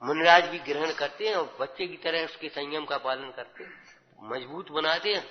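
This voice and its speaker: A man's voice: a little high, moderate pace, a little hiss or hum. A man giving a religious scripture sermon, exhorting his listeners and checking their understanding with rhetorical questions. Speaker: religious teacher. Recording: dull lo-fi with long hall reverb.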